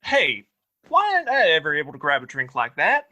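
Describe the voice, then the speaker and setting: A man acts a cocky sheriff in a Western radio play, the boss's threatening yet obedient son. His high, bright voice moves in lively swings, with folksy, rough grammar. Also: fairly quick, exaggerated voice. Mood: curious. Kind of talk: Western audio play acting.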